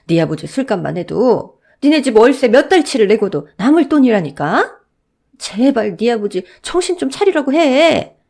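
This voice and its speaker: A woman voicing a fed-up middle-aged shopkeeper who scolds loudly about unpaid debts in a Korean audio story. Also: a little high, very animated, moderate pace, creaky, pitched above the performer's own voice, heavily acted. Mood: scolding. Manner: loud, scolding, exasperated.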